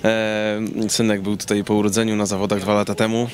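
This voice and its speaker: A man in his thirties, easygoing and pausing often, answers questions outdoors into a handheld microphone in speech. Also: on the low side, little pitch movement. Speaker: interviewed singer. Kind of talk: casual outdoor interview. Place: outdoors in a garden with trees. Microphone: handheld reporter microphone.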